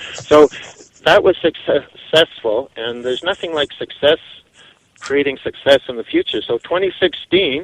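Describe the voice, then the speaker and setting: Delivered at a moderate pace, the speech carries a Canadian accent and ordinary pitch variation. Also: man. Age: 60s. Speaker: cannabis activist. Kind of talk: radio interview.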